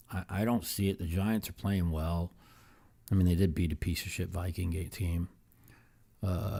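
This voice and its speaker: A man's voice: low voice, gravelly, warm tone. A man hosting a casual podcast monologue, rambling with many fillers and repeated words. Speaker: podcast host. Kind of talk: casual monologue on football and poker.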